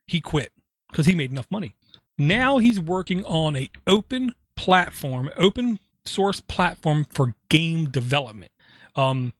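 A man from Ireland co-hosting a casual tech podcast, talking in animated, opinionated bursts with frequent fillers. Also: on the high side, dry recording. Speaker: podcast co-host.

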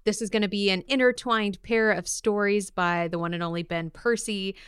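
A woman's voice: medium pitch, fairly even intonation, normal speed, a bit bright, clear, resonant tone, dry recording, studio quality. A woman co-hosting a podcast in casual, upbeat entertainment chat, with an enthusiastic, playful and slangy manner. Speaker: podcast co-host.

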